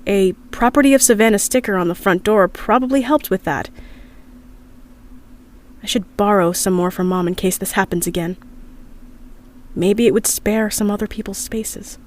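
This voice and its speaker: A woman's voice: mid-range voice, normal speed, long pauses, lightly acted. An actress playing an upset, earnest young woman from an underground community, confiding hesitantly in an audio drama diary. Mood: shaken, subdued. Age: young adult.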